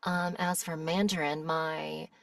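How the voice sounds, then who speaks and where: A woman's voice: sits low, flat delivery, slow, vocal fry, a bit bright, no room sound, studio quality. A young American woman, a voice actress, talking candidly and thoughtfully as a guest in a casual interview. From United States. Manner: reflective and candid. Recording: voice a bit distant from the mic.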